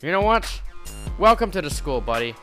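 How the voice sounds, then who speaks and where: A man playing a lively, bewildered principal. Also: fairly high pitch, moderate pace, soft background music. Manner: rambling, full of fillers and restarts. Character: male school principal, bewildered and excitable. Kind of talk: amateur animation voice acting.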